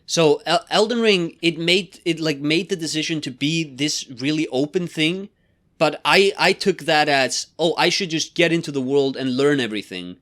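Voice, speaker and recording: A man co-hosting a podcast, laying out his points in a measured, explanatory way. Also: a little high, fairly bright tone. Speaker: podcast co-host. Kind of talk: casual analytical chat.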